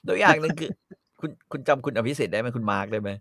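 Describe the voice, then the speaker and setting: Man co-host, lively pitch swings, blunt profane ranting, dry close sound. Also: rapid-fire, dry recording. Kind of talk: casual podcast chat.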